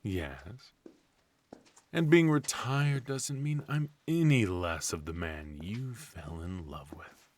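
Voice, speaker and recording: Man playing a deep-voiced theatrical retired supervillain husband. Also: expressive, takes it slowly, slight background noise. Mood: sinister affection. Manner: theatrical, drawling, mock-sinister. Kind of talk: comedic ASMR roleplay.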